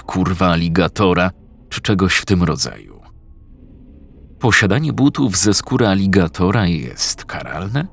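A man narrating a horror story in a slow, measured, scripted reading. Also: low-pitched, gravelly.

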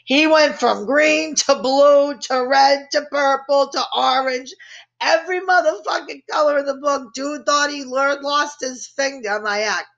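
A woman's voice: sits high, unhurried, fairly bright tone, lo-fi sound. A woman hosting a podcast, telling a family story in a brash, profane way and laughing at her own jokes. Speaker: podcast host. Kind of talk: casual storytelling.

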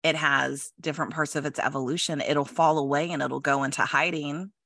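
A woman's voice: low voice, steady tone, fairly quick, fairly bright tone, dry recording, clean studio sound. A woman podcast host talking casually and reflectively, emphatically repeating phrases to drive a point home.

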